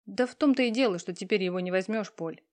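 A woman voicing a hurt, tearful young woman who answers slowly and stubbornly. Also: medium pitch, natural voice. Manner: slow, subdued, stubborn replies. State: tearful, sniffling.

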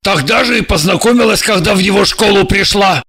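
A man's voice: high-pitched, brisk, exaggerated voice. A man voicing a blunt, impatient male spy handler in his thirties, reading an audiobook. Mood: exasperated. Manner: blunt, impatient, gravelly and shouting.

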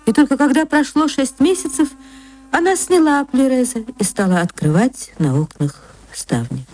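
A woman narrating a classic story for radio in a measured, expressive way, on an archival recording. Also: high-pitched. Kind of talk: literary reading for radio.

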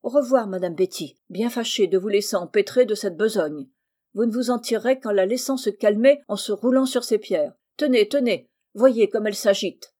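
A woman doing a loud rustic carter. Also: mid-range voice, normal speed, close to an everyday voice. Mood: blustering. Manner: loud, blustering, rustic country speech. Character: rough, jolly working man, a carter.

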